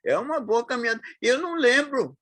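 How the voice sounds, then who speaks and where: A man in his eighties with a São Paulo accent, reminiscing as an interview guest, talking haltingly with frequent restarts and fillers. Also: very high-pitched, sing-song, sharp tone, no room sound, clean studio sound. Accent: Paulistano Brazilian Portuguese. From São Paulo, Brazil. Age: 80s.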